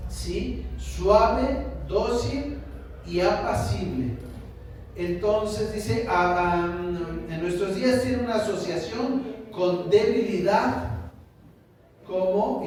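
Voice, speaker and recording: A pastor preaches in a fairly high voice and at an unhurried pace, and he keeps turning to the congregation with questions. His voice carries from some distance across a very echoey church hall. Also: a little mellow, slight background noise. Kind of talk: sermon.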